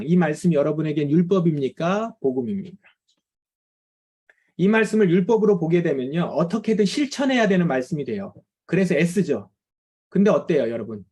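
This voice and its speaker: Husky-voiced Korean pastor giving a lecture-sermon. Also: male voice, a little high, mellow. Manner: conversational, acts out quoted complaints of tired parents. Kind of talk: lecture-style sermon to parents.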